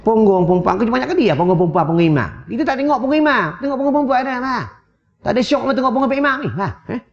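A man with a Malaysian Malay accent preaching in a mosque prayer hall, animated and teasing, acting out little scenes with wives' voices. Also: very high-pitched, racing, lo-fi sound. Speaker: religious preacher. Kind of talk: lively sermon.

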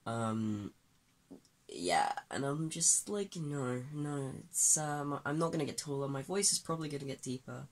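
A man's voice: mid-range voice, measured pace. A trans man in his late teens rambling candidly in a casual vlog, recorded on a phone held at arm's length in a small bedroom. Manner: candid, rambling, many fillers and restarts. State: groggy, just woken up. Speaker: vlogger. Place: small bedroom, then a desk in a bedroom, indoors. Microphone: phone or webcam at arm's length.

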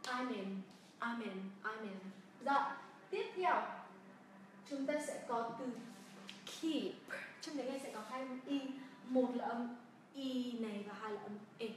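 A high-pitched woman with a Vietnamese accent runs a livestreamed pronunciation lesson, saying each word slowly and repeating it several times. She sounds set back from the mic in a very echoey room. A faint hiss sits under her voice. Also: recorded from a distance. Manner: drills words slowly and repeats them. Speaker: English pronunciation teacher.

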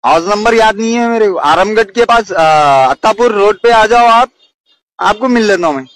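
A man's voice: high-pitched, expressive, normal speed, a bit bright. A man with a Hyderabadi accent arguing casually on the phone, protesting and repeating himself. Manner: protesting, repetitive. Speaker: caller in a recorded phone call. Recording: noisy phone call recording, clicks.

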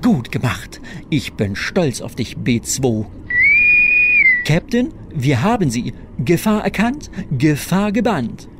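A man's voice: fairly high pitch, very animated, slow, very noisy. A man playing a fussy, literal-minded android servant in a comedy audio drama, formal and pedantic in manner. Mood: eager.

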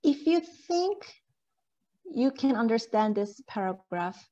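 A woman's voice: on the high side, sing-song, slow, warm tone, dull audio. A woman lecturer giving an interactive online lesson in an encouraging way, checking understanding with questions. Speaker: university lecturer. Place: indoor video call.

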